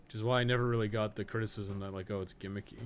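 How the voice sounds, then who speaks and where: Low-voiced man commentating a game, noisy background. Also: fairly even intonation, racing. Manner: casual, profane, rambling asides. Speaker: game streamer and podcast co-host. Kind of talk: casual live gameplay commentary.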